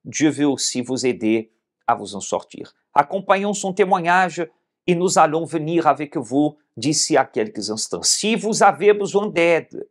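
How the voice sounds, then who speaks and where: A man with a high voice preaches at an unhurried pace, speaking straight to his listeners as host of a religious broadcast. He hammers his points home by repeating phrases, slowing down to lean on each one. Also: animated. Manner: emphatic, repeats phrases for weight. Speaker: pastor hosting a religious broadcast. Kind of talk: preaching appeal to viewers.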